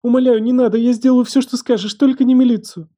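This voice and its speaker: Male narrator puts on a terrified young woman, raised pitch, pleading through tears. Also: brisk, warm tone. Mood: crying out. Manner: pleading, tearful. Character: desperate frightened young woman caught stealing.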